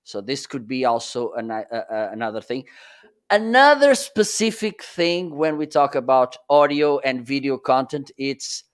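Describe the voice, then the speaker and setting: A middle-aged native Portuguese speaker with a Portuguese accent chats casually as a guest on a live stream over a video call. He laughs often and phrases things haltingly, his mid-range voice smooth and sing-song.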